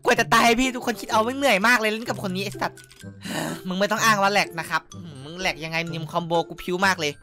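A young man giving excitable, loud gameplay commentary, cursing and yelling at opponents, his throat sore from shouting. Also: high voice, quick pace, creaky. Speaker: gaming YouTuber. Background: game music.

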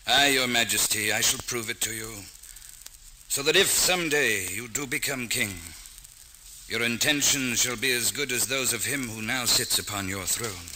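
A loyal nobleman, counsels in a very bright, forceful, mid-pitched voice. His delivery is earnest and declamatory, like a classic radio play, over light hiss. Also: moderate pace, rough recording. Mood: urgent, forceful. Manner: earnest, declamatory, archaic speech. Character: loyal, forthright grown nobleman advising his young king. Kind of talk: old radio drama acting. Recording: hissy old radio recording.

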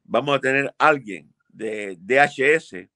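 A man's voice: medium pitch, slow, bright, forceful tone, no room sound. Older male immigration lawyer, emphatic and blunt, dry webcam sound from a home office. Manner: emphatic, blunt, repeats for stress. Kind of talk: expert answering viewer questions. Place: home office with framed pictures.

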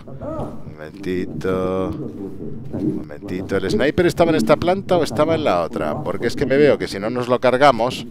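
A young man from Spain commentating his live gameplay, excitable and swearing, talking to viewers and to the game. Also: lowish voice. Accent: Spain Spanish. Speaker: gaming streamer. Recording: loud background game noise.

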